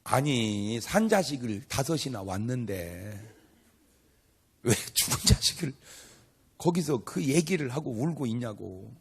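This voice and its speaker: A man's voice: medium pitch, big pitch swings, unhurried, creaky, husky. An older man, a pastor, preaching a humorous revival sermon to a live congregation in a chatty, story-telling way, acting out dialogue and asking the crowd questions. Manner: asks the audience questions and banters with them.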